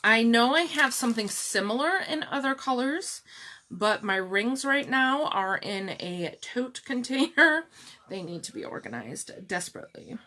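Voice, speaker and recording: A middle-aged woman with a calm, soft-spoken voice, chatting slowly through a live jewelry showcase and answering viewers by name. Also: a little high. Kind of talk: slow live-stream product showcase chat.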